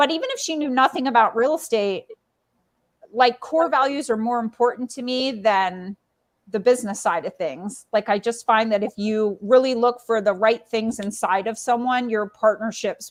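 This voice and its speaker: An unremarkable speaking voice with an American accent goes at a moderate pace, its pitch varying in an ordinary way. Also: woman, fairly high pitch for a woman. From Pennsylvania. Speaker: real estate investor. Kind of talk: interview. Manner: casual, filler-heavy.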